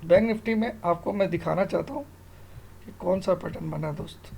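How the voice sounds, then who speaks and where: Creaky-voiced man teaching. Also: high voice, fairly quick, darkish tone, a little hiss or hum. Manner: repeatedly questions and checks with the listener. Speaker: stock market analyst and online tutor. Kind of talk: informal screen-tutorial explanation of trading charts.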